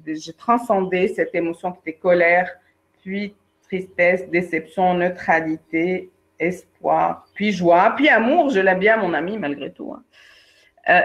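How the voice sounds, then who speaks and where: A woman, a career coach and trainer giving a lively webinar talk, speaking straight to her participants and acting out her examples. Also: lowish voice, slow. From Algeria. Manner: lively, addresses participants directly, acts out examples. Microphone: video call. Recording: dull lo-fi online webinar audio.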